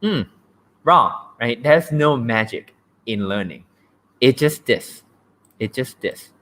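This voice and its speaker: A man's voice: mid-range voice, expressive, slow pace, a bit bright. A young man from Thailand with a Thai accent, hosting a casual livestream about language learning, blunt and joking and often checking in with "right?". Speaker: livestream host.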